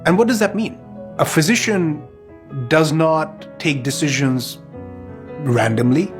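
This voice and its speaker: A man gives testimony for a documentary interview, explaining things deliberately by posing questions and then answering them himself. His voice is a little high, and guitar music plays in the background.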